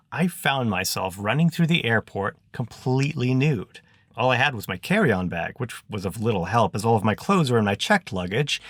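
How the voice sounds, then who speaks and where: A man playing a verbose, theatrical gentleman adventurer with a florid, pompous and grandly polite way of talking. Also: on the low side, dry recording, studio quality.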